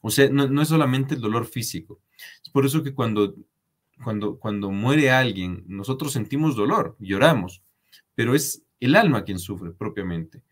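Man, preacher, religious commentary, emphatic repetition, lively rising and falling voice, talks directly to viewers. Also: mid-range voice, moderate pace. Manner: animated, addresses viewers directly, asks for comments; emphatic repetition, frequent restarts. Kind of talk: religious commentary reading a letter aloud.

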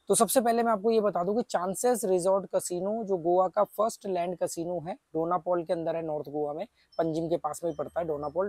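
A man's voice: high voice, darkish tone, no room sound. A man in his thirties with a sore throat, chatting casually to camera as a vlogger, explaining things step by step in an outdoor garden with a clip-on mic. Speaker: travel vlogger. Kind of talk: casual vlog talk to camera. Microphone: small clip-on mic on shirt.

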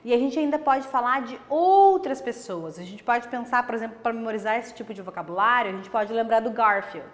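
A woman teacher from Brazil giving an online lesson, explaining patiently and slowing down for example phrases. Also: on the high side, lively intonation, in a large hall. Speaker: language teacher.

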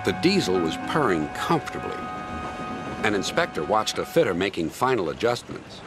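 Man reading a kids' story, really lively pitch, music playing behind. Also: normal speed. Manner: animated, expressive reading. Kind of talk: storybook narration.

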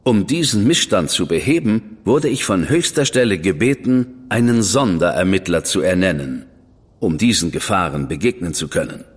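An actor playing a cool, arrogant government official who speaks in a measured, superior, quietly threatening way. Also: male voice, sits low, expressive, slightly rough, big-room sound. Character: cool, arrogant high official, man, middle-aged. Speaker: government official recruiting an investigator. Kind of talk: radio play acting.

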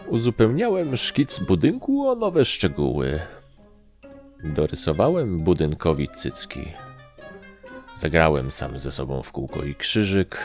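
A man narrating an audiobook in a very low, gravelly voice. His delivery is dry and wry, and it moves lively up and down. Faint music plays softly behind him. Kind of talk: first-person audiobook narration.

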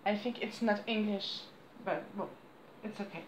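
A woman in her thirties with a French accent, chatting to camera at home in halting English, losing her voice. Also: mid-range voice, reverberant, a little hiss or hum, poor audio. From France. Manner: halting non-native English with frequent restarts and apologies. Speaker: crafts vlogger. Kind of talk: casual chat to camera. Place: small room indoors at home. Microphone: camera on a desk close by.

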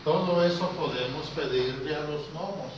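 A man from Costa Rica, voice slightly high, talks to a small class in an easygoing lecture, leaving pauses between short phrases and asking the students questions. The setting is a small whiteboard classroom indoors. A handheld camera several metres away picks him up, giving a far-off, very echoey, muffled and noisy recording.

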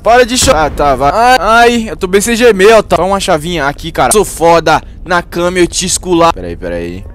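A young man with a Brazilian Portuguese accent, doing loud, profane gameplay commentary and jumping between yelling and muttering. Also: high voice, sing-song, brisk, few pauses. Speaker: gaming youtuber.

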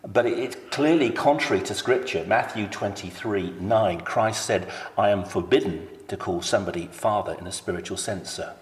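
A man's voice: fairly low pitch, moderate pace, few pauses, reverberant, big-room sound. A man phoning a church and questioning its beliefs, earnest and quoting scripture at length. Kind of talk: recorded phone call debate.

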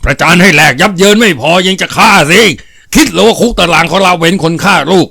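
A man voicing a bold village man who loudly scolds a violent father in a spoken novel. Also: high voice, racing, vocal fry, no echo, pitched above the performer's own voice. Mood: angry scolding.

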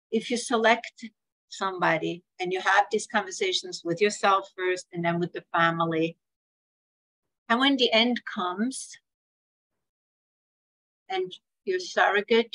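A woman's voice: mid-range voice, a bit bright, poor audio. An older woman with a Swiss accent talks on a video call from home. She speaks earnestly and tells stories, slipping into the voices of the family members she quotes. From Switzerland. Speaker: hospice speaker on care planning. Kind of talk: webinar talk with anecdotes. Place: home room, indoors.

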